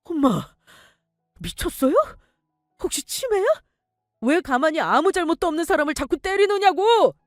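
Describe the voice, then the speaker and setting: A woman's voice: sits high, lively intonation, normal speed, a little mellow, dry recording, studio quality, faint music behind, voice pushed up. A woman doing a whiny greedy grown son. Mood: angry. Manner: whining and pleading. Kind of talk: dramatic story reading.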